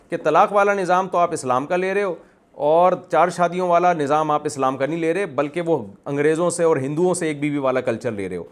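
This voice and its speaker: A man, a mufti, answering a question in a religious Q&A session, arguing his point with repeated examples and conversational asides. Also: on the high side. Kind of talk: religious Q&A talk.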